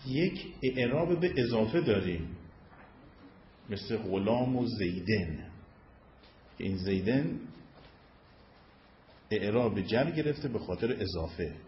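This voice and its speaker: Low-voiced man teaching in an echoey room. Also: sing-song, pauses often, a little hiss or hum. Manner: explanatory, rises and falls in pitch for emphasis. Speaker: religious teacher. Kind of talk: lecture on Arabic grammar of a Quranic verse. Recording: echoey room, dull lo-fi sound.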